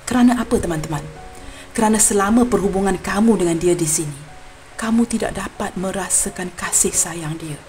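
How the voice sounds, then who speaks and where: A young Malaysian woman with a Malaysian Malay accent gives her viewers a general tarot reading, speaking in a mid-range voice at a slightly quick pace with faint music in the background. She comes across as earnest and apologetic, warmly treating her audience like friends.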